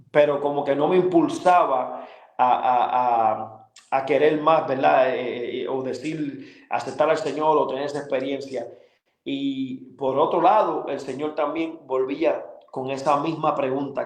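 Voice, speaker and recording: A man sharing a personal testimony on Christian radio, earnest and halting, with many fillers and repeated words. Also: mid-range voice, roomy sound, rough recording.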